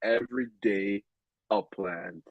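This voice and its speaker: Man vlogger, stuffed-up and nasal, laid-back slow delivery, lots of filler words. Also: on the low side, dry recording, narrow, tinny audio. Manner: rambling, many ums and restarts. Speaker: game vlogger. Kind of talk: casual game commentary.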